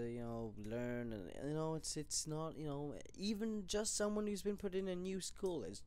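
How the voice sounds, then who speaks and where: A man's voice: medium pitch, darkish tone, smooth. A young man from England with a mixed English, Irish and American accent, talking through a personal reflective vlog in a frank, casual way, rambling with many restarts and fillers. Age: young adult. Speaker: vlogger.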